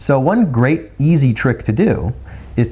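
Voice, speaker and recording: Speaking at a fairly slow pace, a man with a medium pitch sounds somewhat breathy and makes very wide pitch swings. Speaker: dating and social skills coach. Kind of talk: casual talk to camera.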